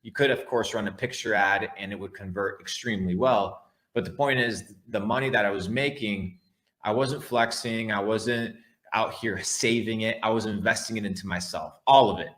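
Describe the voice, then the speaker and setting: A man's voice: fairly low pitch, a bit bright. A man talking like a brash crypto bro in a casual motivational livestream, blunt and profane, hammering key words by repeating them. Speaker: livestream host, online entrepreneur.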